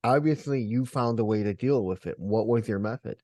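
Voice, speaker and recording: A man's voice: medium pitch, fairly quick, warm tone, dry recording. A man hosting an interview show, asking plain, direct questions. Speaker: podcast host.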